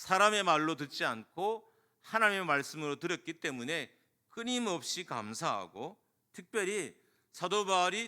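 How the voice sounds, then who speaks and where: A bright, sharp voice at a fairly slow pace on a very clean recording with a silent background. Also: man. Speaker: pastor. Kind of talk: sermon. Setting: church.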